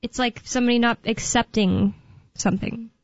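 A woman's voice: on the high side, steady tone, normal speed, no room sound, highs cut off. A woman in her late twenties hosting a talk radio show, chatting casually and often restarting her sentences. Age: 20s.

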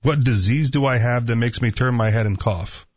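A man co-hosting a casual talk show, sarcastic and teasing, with a raspy, parched voice. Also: mid-range voice, moderate pace, dry recording. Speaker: co-host. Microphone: studio microphone. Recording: dull lo-fi sound.

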